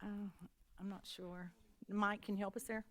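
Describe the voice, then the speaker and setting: A woman's voice: medium pitch, little pitch movement, moderate pace. A woman chairing a school board meeting, running motions and votes in a polite, procedural way with small restarts.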